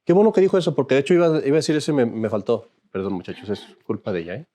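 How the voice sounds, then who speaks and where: A man's voice: mid-range voice, big pitch swings, racing, warm tone, a little hiss or hum. A man, a Catholic priest, teaching an informal class in a conversational, joking way and often asking his listeners questions.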